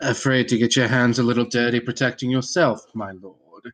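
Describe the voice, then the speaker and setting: A man's gruff, put-on character voice at a medium pitch and a moderate pace, with fairly even intonation and big swings in loudness. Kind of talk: fantasy tabletop character voice. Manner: gruff, sarcastic.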